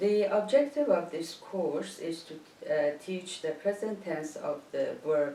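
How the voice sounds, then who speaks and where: A woman with a non-native accent at a fairly slow pace, amid noticeable background noise and audible room echo. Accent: foreign accent, non-native English. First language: not English (English is third language). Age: old. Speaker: language teacher. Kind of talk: tutorial. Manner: hesitant with fillers.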